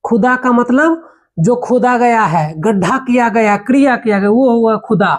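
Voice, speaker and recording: A man teaching a Hindi grammar lesson, explaining patiently, repeating each word slowly and often checking that his listeners follow. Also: very high-pitched. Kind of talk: classroom lesson.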